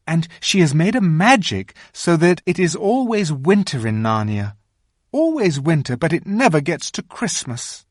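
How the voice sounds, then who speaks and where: Reader voicing a happy excited young girl, high and bouncy, dry close sound. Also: slightly rough, no echo. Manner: eager, breathless. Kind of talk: audiobook reading.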